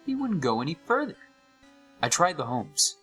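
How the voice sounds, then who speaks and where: A man's voice: on the high side, wildly swooping pitch, moderate pace, fairly bright tone, faint music behind. A young man playing an uneasy gamer who narrates a scripted horror story with dramatic, suspenseful delivery. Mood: puzzled, tense. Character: uneasy young male gamer recounting a haunted game.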